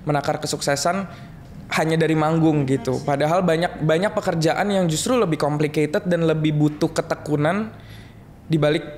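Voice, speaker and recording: A young man talking reflectively in a relaxed podcast chat, mixing in jokes. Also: on the high side, normal speed, a little hiss or hum. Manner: reflective, joking, many restarts and slang. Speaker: guest musician.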